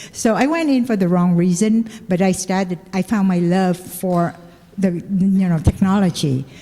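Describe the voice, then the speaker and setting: A woman with lively intonation comes through over noticeable background noise. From Vietnam. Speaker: community leader, panelist. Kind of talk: panel talk. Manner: halting, many fillers.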